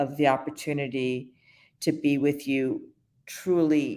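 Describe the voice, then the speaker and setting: On a very clean recording with a silent background, her pitch varies in an ordinary way as the woman talks. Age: 60s. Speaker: cancer survivor and university professor. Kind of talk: interview testimony. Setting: live stream. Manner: halting.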